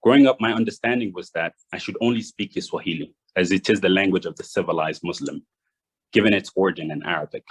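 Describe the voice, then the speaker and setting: Low-voiced Rwandan man giving an address. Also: breathy edge, low-quality recording. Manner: measured, reads from notes with small restarts. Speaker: guest speaker. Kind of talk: prepared address.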